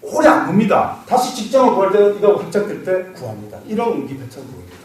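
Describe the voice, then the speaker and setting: A man giving a classroom lecture on fortune-telling, lively and quizzing his students, laughing now and then. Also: sits high, fast. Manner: animated, asks students questions, laughs. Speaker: saju lecturer. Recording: roomy echo, mic far off, faint noise.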